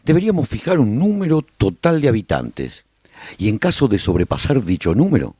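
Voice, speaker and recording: A man narrating a radio drama as an earnest, resolute survivor chronicling his colony in a solemn, deliberate way. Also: medium pitch, very animated, mellow, slightly rough, dry recording, clean studio sound. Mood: measured, earnest.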